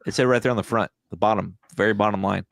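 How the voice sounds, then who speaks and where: A man's voice: fairly low pitch, fairly even intonation, quick pace, gravelly, no room sound. A man in his forties chatting enthusiastically on a live stream, laughing often. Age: 40s. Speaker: co-host. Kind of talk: casual live-stream chat.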